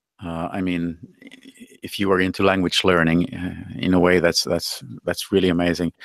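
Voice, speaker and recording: Speaking at a moderate pace with long, frequent pauses, the voice has a monotone, flat intonation and a Finnish accent, recorded with a dry, close sound and no echo. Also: man. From Finland. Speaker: language teacher and show host. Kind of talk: casual chat. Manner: halting.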